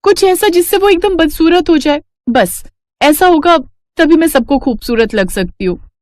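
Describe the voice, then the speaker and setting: A spiteful, spoiled young stepsister from an audio fairy tale, acted by a woman. Her voice is high and petulant, full of dramatic complaint, recorded very dry. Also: expressive, moderate pace, a little mellow, no room sound. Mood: whiny, resentful.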